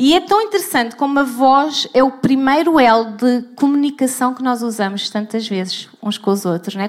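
Speaking with a European Portuguese accent at a moderate pace, a woman shows ordinary pitch variation amid noticeable background noise. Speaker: preacher. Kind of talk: sermon.

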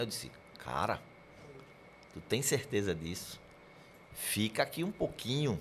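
A man's fairly low voice at a fairly slow pace, broken by long, frequent pauses, with very wide pitch swings. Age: 40s. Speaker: pharmaceutical industry manager. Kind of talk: live podcast interview. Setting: live event with audience. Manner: calm.

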